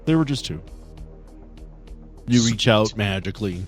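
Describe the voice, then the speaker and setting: A man's voice: on the low side, animated, unhurried, soft background music. A man casually narrating and refereeing a tabletop game as game master.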